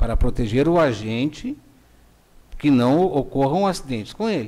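A man speaks with very wide pitch swings. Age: 50s. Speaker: traffic department coordinator. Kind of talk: council hearing testimony. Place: hall. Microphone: podium.

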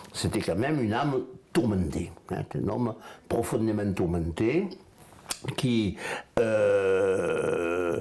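Taking a very slow pace with long, frequent pauses, a man with a fairly low pitch speaks with lively intonation. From Arles, France. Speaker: museum curator. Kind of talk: interview answer. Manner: hesitant, conversational. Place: home room.

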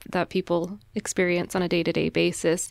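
A woman has an ordinary speaking voice and talks at a fairly slow pace. The recording is very clean with a silent background and a dry, close sound with no echo. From Japan. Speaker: news reporter. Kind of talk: casual discussion.

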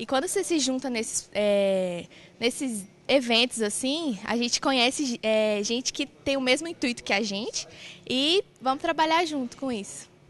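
The speech moves at a fairly slow pace with lively intonation. Its sound is dry, with no echo. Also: woman, high pitch for a woman. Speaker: education student. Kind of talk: interview testimonial. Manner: enthusiastic. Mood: warm, enthusiastic. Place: street. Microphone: handheld.

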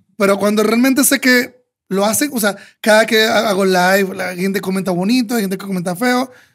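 The man speaks at a high pitch with ordinary pitch variation. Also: quiet background. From Nicaragua. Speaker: rock band singer; podcast guest. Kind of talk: casual chat. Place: studio. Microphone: studio mic.

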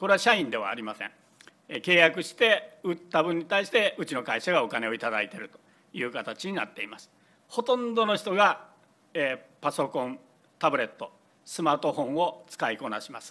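Big swings in loudness and very wide pitch swings mark this fairly quick voice with a bright, sharp tone. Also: man, high pitch for a man. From Japan. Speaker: company president; presenter. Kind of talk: conference presentation. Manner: hesitant fillers. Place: hall. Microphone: podium.

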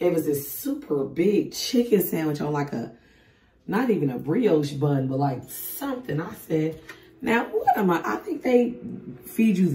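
Over noticeable background noise, a woman speaks fairly slowly in a fairly low pitch with very wide pitch swings. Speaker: travel vlogger. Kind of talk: casual vlog chat. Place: home room. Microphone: phone near.

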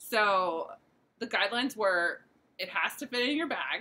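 Using a bright, sharp tone, a woman speaks at a fairly slow pace. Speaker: online reseller, haul vlogger. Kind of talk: casual vlog chat. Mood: cheerful, laughing. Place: home room. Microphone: phone near.

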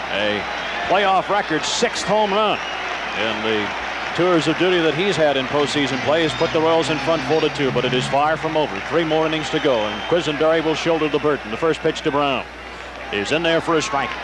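A man talks in an animated tone. Crowd noise sits in the background, and the sound is dry with no echo. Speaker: baseball play-by-play announcer. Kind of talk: live baseball commentary; sports commentary. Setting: stadium broadcast, TV. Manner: animated, brisk play-by-play delivery. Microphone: headset.

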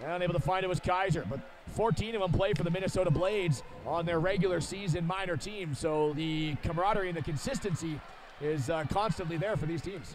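A man's upbeat, very fast speech at a high pitch, with ordinary pitch variation and noticeable background noise. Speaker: play-by-play hockey commentator. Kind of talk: live sports commentary, play-by-play. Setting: broadcast from an arena. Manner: upbeat and jokey between plays.

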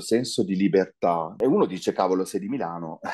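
A man's fairly low, dark, mellow voice with ordinary pitch variation over a quiet background. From Milan, northern Italy. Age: 40s. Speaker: Italian emigrant interviewee; interview guest. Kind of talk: interview, personal story. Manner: hesitant, with fillers. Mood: warm, reflective. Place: home room. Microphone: earbuds.

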